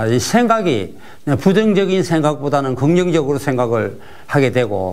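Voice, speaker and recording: With very wide pitch swings, a man talks at a moderate pace in a fairly high pitch, with audible room echo. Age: 80s+. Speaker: yoga instructor. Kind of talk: interview.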